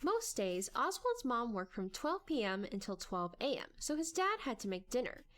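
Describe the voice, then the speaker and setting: A woman's voice: on the high side, sing-song, moderate pace, a bit bright. A woman reading scripted story narration in a dramatic audiobook style.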